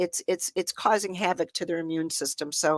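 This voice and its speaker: A woman's voice comes through dry and close with no echo in a very clean recording with a silent background. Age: 60s. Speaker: health store supplement advisor. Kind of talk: live video show discussion. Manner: animated.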